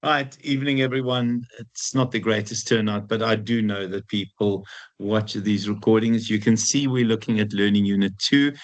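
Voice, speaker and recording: A man's voice: fairly low pitch, steady tone, moderate pace. A man with a heavy Afrikaans South African accent, lecturing a class informally and conversationally, often repeating himself and putting questions to the students. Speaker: university lecturer.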